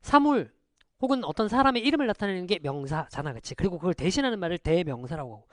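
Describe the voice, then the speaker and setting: A male teacher gives an online lecture in a dry, close-sounding voice. His pitch swings widely as he fires quick rhetorical questions at students. He slides between polite and casual speech. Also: sing-song, no echo. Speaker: English teacher.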